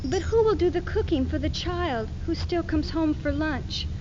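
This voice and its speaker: A woman's voice: high-pitched, normal speed, darkish tone, close to an everyday voice. A woman performing a devoted, submissive housewife in an earnest, declamatory readers theater recitation. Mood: proud, insistent. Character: devoted, submissive housewife, proud and pious about home. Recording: dull, noisy 1970s archival stage recording.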